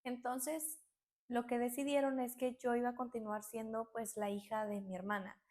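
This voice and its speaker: A woman narrating a personal story in an animated way, acting out quotes. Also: fairly high pitch, normal speed. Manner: animated, acts out quotes, many fillers.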